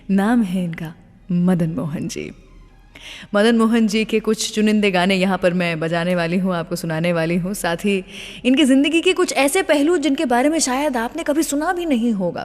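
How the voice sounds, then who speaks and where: A woman's voice: mid-range voice, long reverb tail. A woman hosting a radio show, presenting in a chatty storytelling way and addressing listeners directly. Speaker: radio host.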